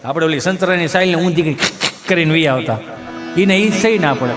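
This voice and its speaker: A man's voice: a little high, a little fast, big-room sound. A middle-aged man with a Kathiyawadi Gujarati accent telling mocking, preachy folk comedy stories on stage. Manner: storytelling, mocking, preachy asides. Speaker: stand-up comedian. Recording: live show with music behind.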